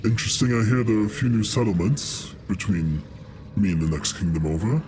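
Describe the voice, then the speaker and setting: A man's voice: on the low side, expressive, brisk, noisy background, natural voice. A man voicing a proud, sly young black dragon in a tabletop game, drawling with scorn for mortals as he bargains. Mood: sly, bargaining.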